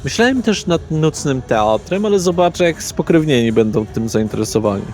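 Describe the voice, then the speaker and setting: A man's voice: a little high, sing-song, normal speed, a little mellow, soft background music. A man voicing a brash, self-important vampire lawyer in a tabletop role-play, effusive and colloquial. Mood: boastful.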